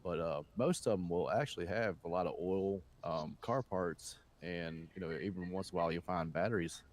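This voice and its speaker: A man with a slightly low voice makes casual conversation in a roleplay game. He sounds friendly and helpful as he talks in character. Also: normal speed. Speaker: roleplay gamer playing a survivor. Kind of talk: improvised in-character casual chat.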